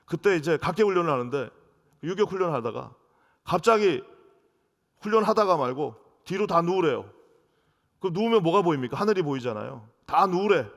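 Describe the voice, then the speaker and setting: A middle-aged man from South Korea, a pastor preaching a sermon, drifting from hushed storytelling to loud, fervent outbursts. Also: a little high, animated, brisk. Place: church sanctuary. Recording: long reverb of a church hall.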